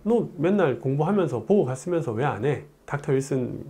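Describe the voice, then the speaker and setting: A urologist in his forties explains things to camera in a plain studio, miked with a lapel mic, telling stories chattily while animatedly gesturing with his hands. His voice is on the high side and slightly rough, his delivery brisk.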